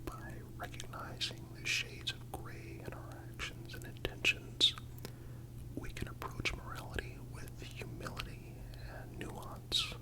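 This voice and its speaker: A soothing ASMR narrator reading a scripted reflection in a breathy, unvoiced whisper, measured and deliberate. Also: low-quality recording.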